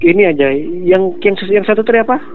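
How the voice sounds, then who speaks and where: A man's voice: high voice, expressive, a little fast, narrow, tinny audio. A man calling in to a radio show on the phone in an easygoing, chatty way. His line clips and breaks up into distortion. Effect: clipping, distorted phone audio that breaks up. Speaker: radio call-in listener. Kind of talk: casual phone chat with the radio host. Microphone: phone call.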